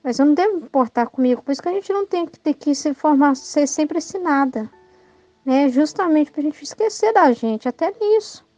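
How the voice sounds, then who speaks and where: A woman's voice: high-pitched, expressive, a little fast, dark tone, dry recording. A Brazilian woman giving informal Catholic spiritual teaching, talking conversationally, often adding "né?" and acting out quoted thoughts. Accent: Brazilian Portuguese.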